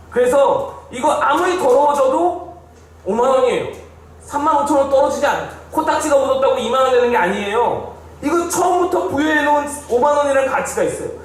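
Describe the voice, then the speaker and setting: High-voiced male pastor in an echoey hall. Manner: emphatic, repeats phrases, asks the audience questions. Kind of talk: Bible study sermon. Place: church hall. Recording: very echoey hall, distant mic, faint hiss.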